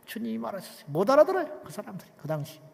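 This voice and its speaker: A man with a high-set voice delivers a sermon as a pastor, pushing hard on key lines and pulling back to a hush. His words ring out with a long tail of reverb, as in a large church sanctuary. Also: very animated, racing, gravelly. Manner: emphatic, swings from hushed to loud, rhetorical questions.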